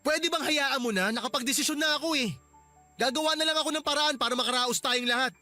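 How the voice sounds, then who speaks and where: A man's voice: very high voice, fast, pushed and bright, no echo, soft background music, exaggerated voice. A man playing a young husband in a radio drama, defensive and pleading. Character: young husband, soft-hearted and placating.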